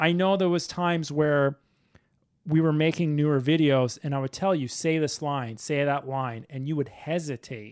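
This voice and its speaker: With a plain, everyday voice, a man talks at a fairly slow pace, his fairly high pitch showing ordinary pitch variation. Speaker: podcast host. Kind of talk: casual chat.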